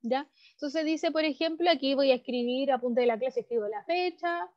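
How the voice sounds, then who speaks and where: High-voiced Chilean teacher on a call. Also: female voice, moderate pace. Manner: frequent tag questions, explanatory. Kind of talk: online class lecture. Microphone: video call. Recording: dull lo-fi video call audio.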